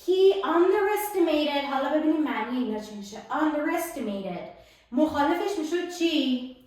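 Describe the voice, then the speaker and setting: A young woman teaching English vocabulary at a whiteboard, stretching out the English example words slowly as she explains them. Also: sits high, expressive, a little mellow. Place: classroom with a whiteboard. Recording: very echoey room.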